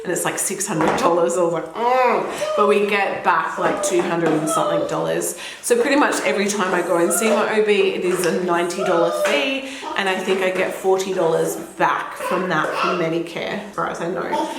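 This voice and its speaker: A woman's voice: lowish voice, moderate pace, heavy background noise. A young Australian woman chatting casually to camera at home, a little throaty from a cold, rambling and laughing often. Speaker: vlogger. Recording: echoey room.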